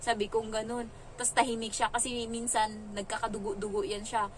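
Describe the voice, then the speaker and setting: A woman from the Philippines working as a domestic helper, telling a story casually on her vlog in an animated way and acting out the dialogue. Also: fairly high pitch, moderate pace, a little hiss or hum, poor audio. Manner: animated retelling with quoted dialogue.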